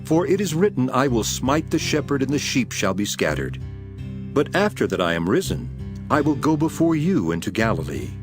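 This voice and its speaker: An actor playing Jesus as a solemn, authoritative teacher, declaiming archaic scripture in a dramatized Bible audio production. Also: male voice, mid-range voice, big pitch swings, moderate pace, natural voice. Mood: grave. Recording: music behind the voice. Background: background music.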